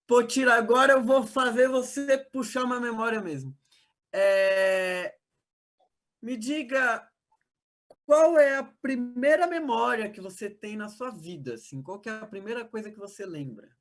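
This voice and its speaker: An interviewer, asking questions gently with hesitations and fillers. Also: medium pitch, expressive, measured pace. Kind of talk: oral history interview.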